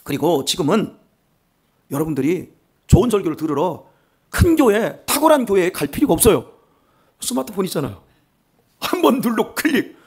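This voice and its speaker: An older male pastor with a Chungcheong accent preaching a sermon in church, animated and self-mocking with humor. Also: sits high, a little fast, pauses often, breathy edge. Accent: Chungcheong Korean. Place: church sanctuary.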